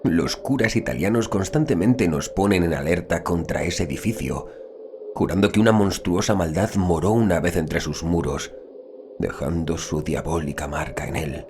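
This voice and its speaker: A man's voice: sits low, normal speed, noisy background. A man playing a big, superstitious policeman who gives grave, ominous warnings in a dramatized horror audiobook.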